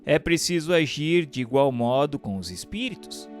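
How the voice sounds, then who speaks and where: A man with a Brazilian accent reading scripted, formal narration and questions in a deliberate manner. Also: fairly high pitch, expressive, faint music behind.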